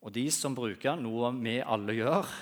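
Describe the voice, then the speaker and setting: A man preaching a sermon in a church, telling humorous stories in an animated way and swinging between loud and quiet. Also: mid-range voice. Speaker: guest preacher.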